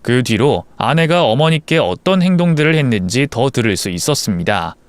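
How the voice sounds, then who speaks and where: A man narrating a family story in first person, calm in narration and harsh and scornful when confronting. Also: mid-range voice, moderate pace, clean tone, no echo.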